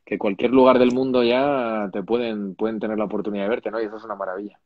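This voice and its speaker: A man's voice: fairly low pitch, fast, no echo, dull audio. A man in his thirties from Madrid with a Castilian Spanish accent, an actor chatting animatedly as an interview guest over a video call. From Madrid, Spain. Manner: animated, chatty, with many restarts. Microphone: video call, laptop or phone mic.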